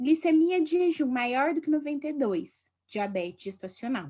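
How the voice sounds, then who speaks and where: The background is silent and the recording very clean. A woman talks fairly slowly. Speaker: gynecologist teaching exam review. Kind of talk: lecture. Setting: live stream.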